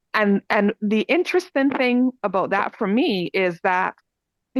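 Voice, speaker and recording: Fairly slow and very even in loudness, a woman's voice comes through with a dry, close sound and no echo. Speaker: panelist on family emotional support. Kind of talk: panel discussion.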